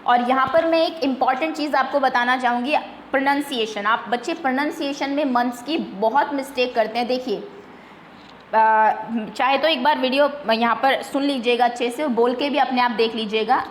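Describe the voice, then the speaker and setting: High-voiced woman teaching a quiz. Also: echoey room, slight background noise. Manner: patient, repeats slowly, mixes English terms. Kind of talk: online quiz lesson for young pupils.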